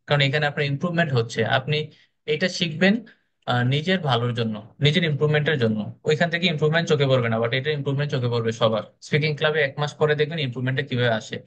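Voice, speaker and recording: A man's voice: mid-range voice, fairly bright tone. A young man running a speaking club orientation, talking casually and encouragingly with many fillers. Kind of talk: orientation class talk.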